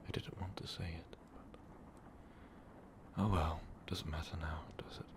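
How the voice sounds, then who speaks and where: A man playing an ancient, brooding vampire overlord in an intimate ASMR roleplay, speaking in a weary, halting, breathy whisper. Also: flat delivery. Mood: vulnerable, reluctant. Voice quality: breathy, gravelly low whisper. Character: ancient, brooding male vampire overlord, tormented former rebel.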